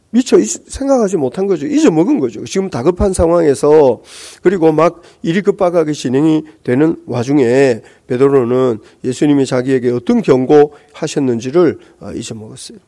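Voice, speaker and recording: Gyeongsang-accented pastor, animated and gravelly. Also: male voice, on the high side. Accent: Gyeongsang Korean. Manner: explains scripture with rhetorical questions, many hesitant fillers. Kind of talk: sermon.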